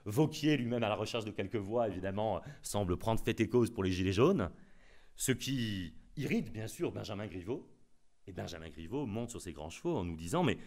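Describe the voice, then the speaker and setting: Guy giving a lecture, ironic and emphatic, pitch bouncing all over. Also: expressive, moderate pace, a little mellow. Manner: ironic, emphatic, repeats key phrases. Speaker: conference speaker. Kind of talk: lecture at a conference.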